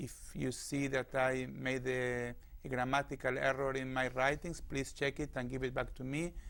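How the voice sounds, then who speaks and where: A medium-pitched man with a strong non-native accent, monotone and flat, at a moderate pace. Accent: foreign accent, strong. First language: not English. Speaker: rabbi and author. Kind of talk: interview conversation. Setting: TV studio.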